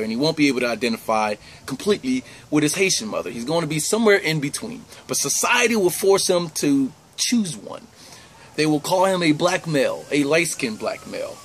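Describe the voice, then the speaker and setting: A young American vlogger talks earnestly and conversationally to the camera, laughing easily, while recording close up indoors against a plain wall. His voice is on the high side and a bit bright, with slight background noise.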